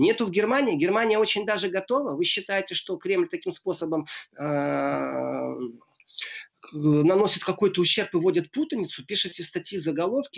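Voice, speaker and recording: The man's voice is high-pitched and lively in intonation. He keeps a moderate pace. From Soviet Union, Russian-speaking. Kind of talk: live radio interview. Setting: Skype call. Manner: animated.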